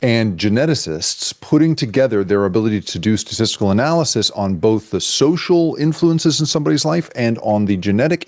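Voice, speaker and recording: A man, a guest journalist, telling a story in a casual interview, animated and halting with restarts and fillers. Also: lowish voice, no room sound, studio quality.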